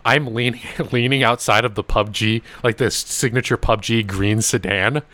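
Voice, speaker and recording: A man's voice: medium pitch, normal speed, dry recording. A young man hosting a podcast, telling a rambling story with lots of swearing and laughter. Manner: swearing, laughing, animated anecdotes. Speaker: podcast host. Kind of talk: casual storytelling chat.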